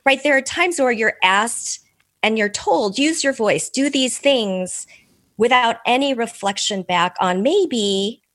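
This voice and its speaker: A middle-aged Korean American woman whose first language was Korean, answering interview questions as an author in a thoughtful, measured way. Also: on the high side, lively intonation, no room sound. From Korean American, immigrated as an infant. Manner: thoughtful, measured, with soft laughs and restarts. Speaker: author and podcast guest.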